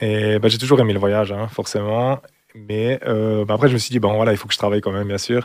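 This man speaks at a fairly quick pace in a fairly low pitch. His intonation is monotone and flat. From French-speaking Switzerland, Fribourg. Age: 30s. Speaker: traveller. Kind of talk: interview. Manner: hesitant, many fillers.

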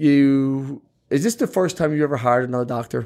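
Fairly quick delivery in a normal speaking voice, very cleanly recorded over a silent background. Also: man. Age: 40s. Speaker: podcast host, marketing business owner. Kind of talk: interview.

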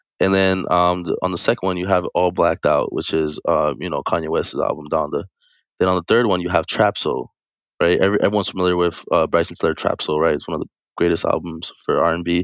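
A man with an American accent talks at a very fast pace. The sound is dry and close with no echo, over a quiet background. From New York. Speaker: musician. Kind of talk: casual chat. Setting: video call.

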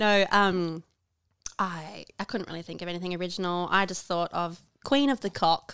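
An Australian accent at a moderate pace, with big swings in loudness and ordinary pitch variation, on a very clean recording with a silent background. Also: woman, fairly low pitch for a woman. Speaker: poet, podcast guest. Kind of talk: casual chat. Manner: halting.

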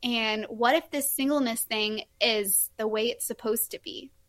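A woman with a fairly high voice talks at a moderate pace with ordinary pitch variation. The recording is very clean, with a silent background. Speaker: author. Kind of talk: casual chat. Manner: animated.

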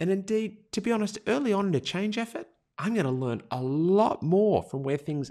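Against a quiet background, a man with an Australian accent speaks at a moderate pace in a high pitch with very wide pitch swings. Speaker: podcast host and education consultant. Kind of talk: scripted-style solo educational podcast monologue.

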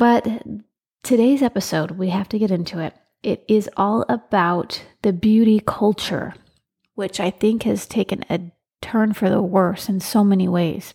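Recorded very cleanly with a silent background, this woman's voice sounds dry and close, with no echo. She speaks at a medium pitch and a fairly slow pace, somewhat breathy, with a dark, mellow tone and ordinary pitch variation. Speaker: health coach and podcast host. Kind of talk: solo podcast monologue. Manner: relaxed, inviting.

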